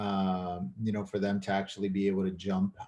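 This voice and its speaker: Speaking fairly quickly with a Spanish accent, a man has a dark, mellow tone, fairly low pitch and fairly even intonation. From Mexico. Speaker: filmmaker. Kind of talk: casual chat.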